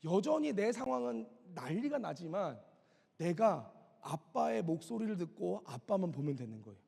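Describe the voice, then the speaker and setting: A middle-aged man preaches a sermon, telling a story with vivid, dramatic delivery. His voice sits high and swings widely, with a gravelly, husky edge. A long church-hall reverb carries behind him. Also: sing-song, moderate pace, darkish tone. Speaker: pastor. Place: church sanctuary.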